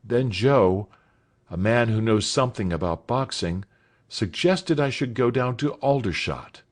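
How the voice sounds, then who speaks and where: A man's voice: medium pitch, lively intonation, unhurried, voice pushed up. A man reading aloud voices a nervous, earnest teenage schoolboy who speaks hesitantly.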